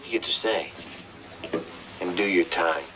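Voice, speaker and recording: A man's voice: deep voice, measured pace, poor audio. An American man playing a wry, impatient police detective in a TV crime drama, with dry sarcasm.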